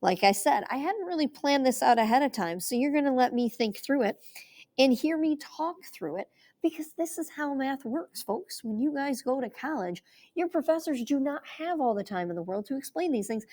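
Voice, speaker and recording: A woman's voice: sits high, lively intonation, normal speed, darkish tone. A woman math teacher working through a proof aloud in a chatty, casual way, talking herself through each step.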